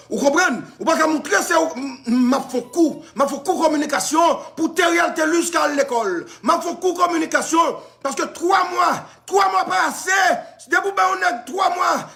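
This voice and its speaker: A man with a Haitian accent, ranting loudly on a live stream, repeating phrases and laughing between shouts. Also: extremely high pitch, gravelly, echoey room. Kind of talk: heated live-stream rant.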